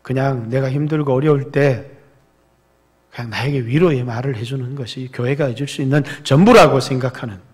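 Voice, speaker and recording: A man pastor preaching a sermon with passion, climbing loud and high on rhetorical questions. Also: a little fast, slightly rough.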